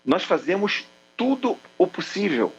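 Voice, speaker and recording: A man's voice: high voice, sing-song, measured pace, vocal fry, soft background music. Earnest Rio-accented man on a lo-fi line. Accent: Rio de Janeiro Brazilian Portuguese. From Rio de Janeiro, Brazil. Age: 40s. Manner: earnest, many "é" fillers. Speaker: military spokesman guest. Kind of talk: remote interview answers.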